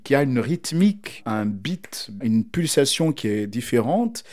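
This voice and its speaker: A man's voice: mid-range voice, sing-song, unhurried, a little mellow. Reflective man in his forties. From Mozambique. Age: 40s. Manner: thoughtful, circling back to rephrase ideas. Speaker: interviewee. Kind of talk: reflective interview answer.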